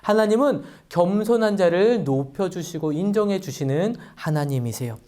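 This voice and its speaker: A woman's voice: on the low side, moderate pace. A woman preaching a children's sermon as a story, asking the kids questions as she goes. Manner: lively, addresses children directly with questions. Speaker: children's pastor.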